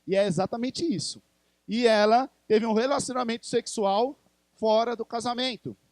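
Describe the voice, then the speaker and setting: A man's voice: very high voice, normal speed, no room sound. A male pastor with a Brazilian Portuguese accent, preaching a conversational sermon in church and putting questions to the congregation.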